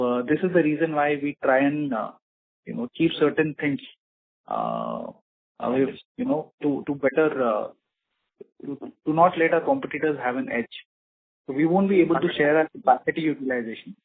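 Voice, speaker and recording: This is an earnings call question-and-answer session in which a male executive with an Indian accent responds to investors over a conference line. He talks formally and deliberately in a middling, somewhat rough voice. Audio quality is that of a narrow, muffled phone connection, a little rough.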